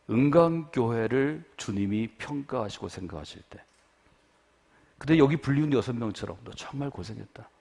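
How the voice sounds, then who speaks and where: Fervent male preacher with lively pitch. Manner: swings from hushed low asides to loud fervent exhortation. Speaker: guest pastor. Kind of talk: revival sermon.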